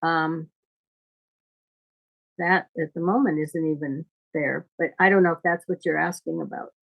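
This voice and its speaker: Older woman with a lowish voice. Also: steady tone, unhurried, vocal fry, fairly bright tone, poor audio. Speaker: astrologer giving teachings. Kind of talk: unscripted conversational teaching.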